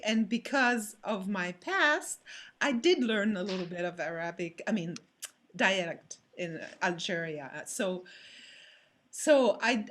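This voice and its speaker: A woman's voice: mid-range voice, a bit bright. A French woman with a French accent, an actor speaking hesitantly in a casual panel discussion and searching for her words. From France. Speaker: actor in a children's theatre company.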